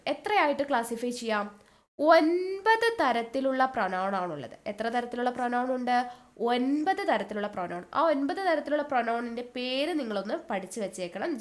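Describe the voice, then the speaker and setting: Woman teacher, high-pitched, drills terms by question and repetition. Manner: asks questions then answers them, repeats terms slowly. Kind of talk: exam-prep grammar lesson.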